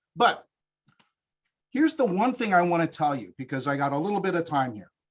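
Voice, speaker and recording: A man with an American accent talks in a high voice that makes very wide pitch swings. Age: 60s. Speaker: college business instructor. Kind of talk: career talk webinar. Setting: webinar. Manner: animated.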